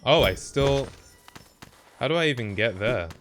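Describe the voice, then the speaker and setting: A man's voice: medium pitch, expressive, unhurried, background noise. A man streaming a game with casual commentary, thinking aloud in mild slangy exclamations. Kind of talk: casual let's play commentary.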